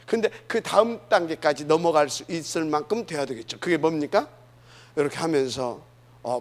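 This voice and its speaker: A man preaching a sermon, often asking the congregation questions and swinging between loud emphasis and soft asides. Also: fairly high pitch. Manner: asks the congregation questions, many fillers, dynamic swings. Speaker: pastor.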